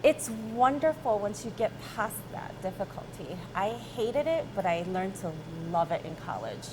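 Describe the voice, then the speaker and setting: A woman's voice: mid-range voice, very animated, normal speed. A woman in her late thirties, born in South Korea, chatting easily and laughing as an interview guest about her work as a chemist. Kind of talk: casual interview. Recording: noisy background.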